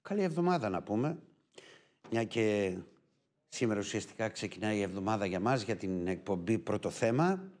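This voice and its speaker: A man with a Greek accent opens a live TV show as its host, speaking unhurriedly with frequent filler pauses. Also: lowish voice, expressive, darkish tone.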